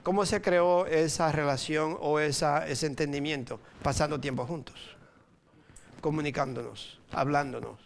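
A Dominican man in his sixties with a Dominican Spanish accent, giving an informal sermon with personal stories, playful and quick to chuckle, dropping in English words. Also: fairly high pitch, steady tone, vocal fry, slight background noise. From Dominican Republic. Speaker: preacher.

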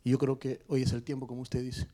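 A man at a church service answers the pastor in fluent, earnest sentences drawn from scripture. His voice sits at a middle pitch with a mellow, warm tone. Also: monotone, quick pace. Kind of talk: spontaneous testimony in a church.

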